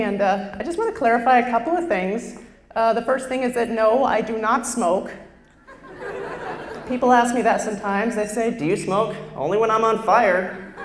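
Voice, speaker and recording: A young woman with a very low contralto voice, doing a chatty, self-deprecating stand-up routine on a lapel mic on a live stage. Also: a little hiss or hum. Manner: self-deprecating, chatty, with frequent fillers and restarts. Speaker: stand-up comedian. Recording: roomy hall reverb, faint ambience.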